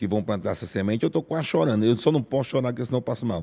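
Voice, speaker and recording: A man's voice sits at medium pitch, dark and mellow in tone. His pitch moves in an ordinary way. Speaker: pastor. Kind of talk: sermon. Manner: fast.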